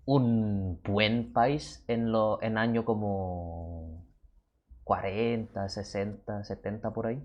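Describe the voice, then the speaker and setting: A man's voice: fairly low pitch, steady tone, slow, muffled recording. A man from Indonesia chatting on a video call with a stranger, asking lots of questions and laughing easily. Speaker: language content creator. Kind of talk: casual video chat.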